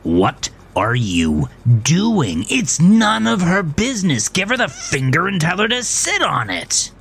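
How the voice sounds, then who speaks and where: A man's voice: fairly high pitch, huge pitch swings, measured pace, vocal fry, fairly bright tone, pitched above the performer's own voice, exaggerated voice. Man voicing a snarling, scornful gaunt bully. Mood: exasperated. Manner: snarling, hissing, profane needling. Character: gaunt, crude, bullying imaginary male friend, exasperated and scornful. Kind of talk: audio drama character voice.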